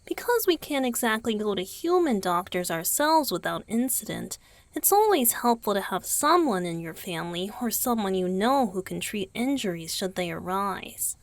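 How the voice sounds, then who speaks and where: A woman voicing a gentle, teasing male vampire boyfriend in an intimate ASMR roleplay, speaking softly and patiently, often dropping toward a whisper, close to the microphone. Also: medium pitch, very animated, moderate pace, no room sound. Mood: casual, reminiscing. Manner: soft, often whispered, patient explaining with small chuckles. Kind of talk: ASMR roleplay, intimate one-sided dialogue to the listener. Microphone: close, dry microphone.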